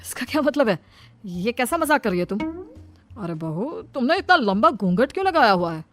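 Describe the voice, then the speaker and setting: A woman doing a fussy older father-in-law in a cartoon, scolding and greedy. The voice is moderately high, with faint music under it. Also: big pitch swings, normal speed.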